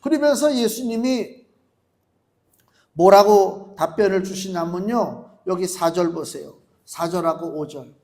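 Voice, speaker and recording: Brief: a high-pitched male preacher, lively and conversational, full of rhetorical questions. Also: unhurried. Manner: animated, rhetorical questions, acts out quoted voices. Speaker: pastor. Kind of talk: sermon.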